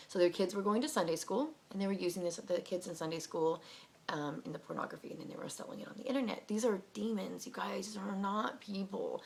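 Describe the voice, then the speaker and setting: A young adult woman talking casually to her viewers, rambling with many fillers and breaking into animated impressions. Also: fairly low pitch. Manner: rambling, filler-heavy, animated, mimics people with loud barking sounds. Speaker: vlogger. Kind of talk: casual talk to camera.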